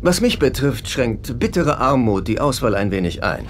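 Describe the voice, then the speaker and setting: A man's voice: mid-range voice, sing-song, moderate pace, natural voice. An actor in a German-dubbed sitcom playing a nervous, self-pitying, broke middle-aged man, hesitant and wry. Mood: wry, awkward. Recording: very noisy TV soundtrack rip.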